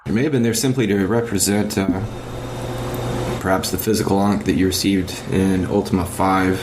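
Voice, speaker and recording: A man on a podcast panel, talking casually in a measured, halting way. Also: sits low, steady tone. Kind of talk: casual discussion. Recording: noisy lo-fi amateur podcast audio.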